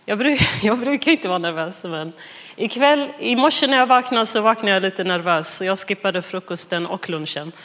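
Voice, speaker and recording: A woman in her thirties, guest-preaching a sermon, tells a funny personal story, laughing often and acting out the quoted dialogue. Her medium-pitched voice is a bit bright with lively intonation, and her manner is chatty and self-mocking.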